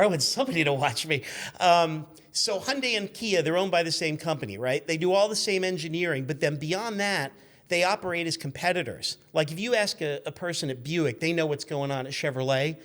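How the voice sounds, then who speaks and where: Man, 50s, higher-than-average pitch, casual storyteller, joking, self-deprecating, digressive. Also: a bit bright. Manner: rambling, digressive. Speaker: guest, car magazine editor and former radio intern. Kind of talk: casual anecdotal chat.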